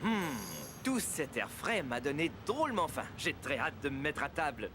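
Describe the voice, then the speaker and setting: A man's voice: on the high side, very animated, normal speed. A man voicing a kind, patient young father in a French children's cartoon dub. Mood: gentle, cheerful. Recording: music under the voice.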